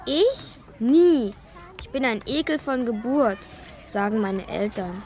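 A woman's voice: on the high side, expressive, slow pace, darkish tone. A woman playing a withdrawn, self-loathing schoolgirl in a children's radio play, bitter and self-deprecating. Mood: bitter, dejected.

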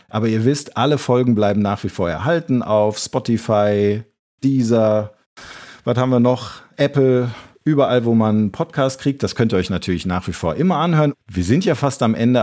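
A man's voice: lowish voice, warm tone. A man hosting a podcast in casual chat, rambling with many fillers. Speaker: podcast host.

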